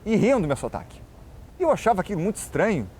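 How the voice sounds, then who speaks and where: Manezinho-accented man, high and earnest. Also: very animated, fast, darkish tone, slight background noise. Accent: Florianópolis manezinho accent. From Florianópolis, Brazil. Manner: earnest, explanatory, addresses the host by name. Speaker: tour guide and journalist guest. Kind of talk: casual interview talk.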